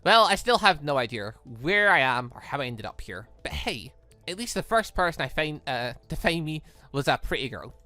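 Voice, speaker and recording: Performer as easygoing young man, wry, bright tone, first-person visual novel narration. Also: medium pitch, sing-song, normal speed, soft background music, voice pushed down. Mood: reflective.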